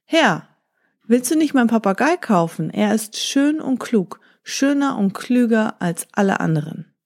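A woman voicing a greedy, short-tempered male bird hunter in a storybook reading, gruff and scornful. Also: a little high, big pitch swings, unhurried, heavily acted. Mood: hawking.

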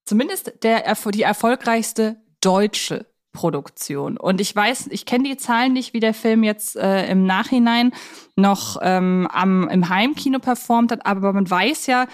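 Casting: woman, podcast co-host, casual film talk, playful and colloquial, medium pitch. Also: a little slow.

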